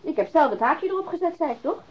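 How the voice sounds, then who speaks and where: A practical, bossy woman in a radio play. Her high voice swoops as she teases and gives orders briskly. The sound is slightly muffled. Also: lively intonation. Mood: brisk, dismissive. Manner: brisk, bantering, commanding. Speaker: radio drama actress. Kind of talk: naturalistic radio drama dialogue. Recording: muffled radio drama recording.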